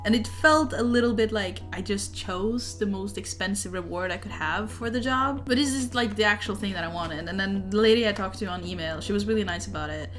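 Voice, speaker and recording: A woman's voice: medium pitch, a little fast, few pauses, fairly bright tone, faint music behind. A young woman with a Norwegian accent, a native Norwegian speaker, chatting casually in a show-and-tell vlog, rambling with many fillers. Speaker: vlogger.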